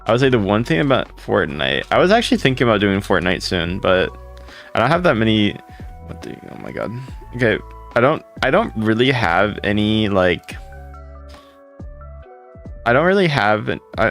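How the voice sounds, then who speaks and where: Deep gravelly-voiced male streamer. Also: fairly bright tone. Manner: rambling, greets viewers by name. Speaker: livestreamer. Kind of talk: casual livestream chat with viewers.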